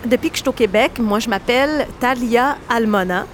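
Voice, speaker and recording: A woman's voice: on the high side, a little fast, slight background noise. Woman from Egypt explaining her name. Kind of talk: personal testimony in an interview.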